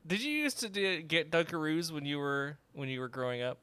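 A man's voice: a little high, fairly quick, a bit bright, clear, resonant tone, dry recording. A man hosting a podcast in casual, jokey chat, laughing often. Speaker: podcast host.

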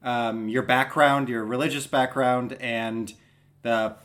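A man's voice: mid-range voice, steady tone, slow, a bit bright. Man hosting a podcast interview. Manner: friendly, rambling questions. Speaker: podcast host.

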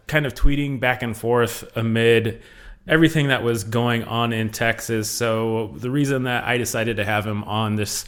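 A man's voice: medium pitch, a bit bright. A man hosting a casual podcast chat, talking with many fillers and restarts. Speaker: podcast host. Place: Texas.

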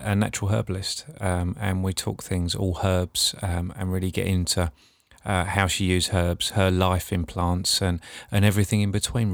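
A man hosts a casual podcast interview, relaxed and hesitant with plenty of ums. His voice sits low and gravelly. The sound is dry and close, with no room around it. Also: no room sound. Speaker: podcast host.

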